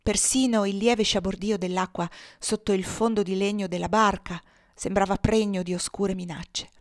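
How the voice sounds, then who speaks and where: A woman narrating a literary novel with measured, expressive delivery. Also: medium pitch, dry recording, clean studio sound. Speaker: audiobook narrator.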